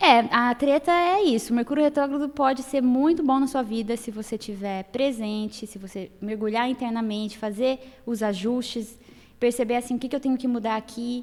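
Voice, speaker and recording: A woman's high voice with ordinary pitch variation, moving at a moderate pace. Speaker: astrologer. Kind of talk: casual chat.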